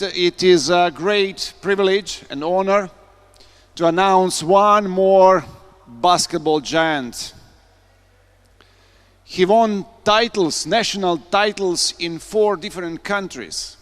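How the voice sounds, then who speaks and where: Male emcee, high voice, slow formal announcing, hall reverb. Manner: ceremonious, declamatory. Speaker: conference presenter. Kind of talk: formal introduction. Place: conference hall.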